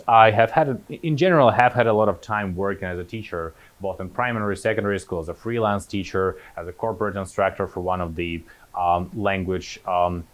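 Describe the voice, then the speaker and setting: A man in his thirties with a somewhat low voice gives an academic talk as a postdoctoral researcher. He speaks haltingly, with frequent fillers and restarts. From Kazakhstan. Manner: hesitant, many fillers and restarts.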